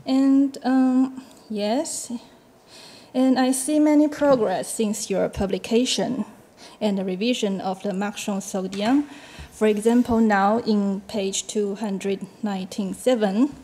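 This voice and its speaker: A woman's voice: medium pitch, steady tone, takes it slowly, warm tone, a little hiss or hum, rough recording. A woman whose first language is Chinese, speaking English as a discussant at an academic seminar, hesitant, with frequent fillers and short laughs.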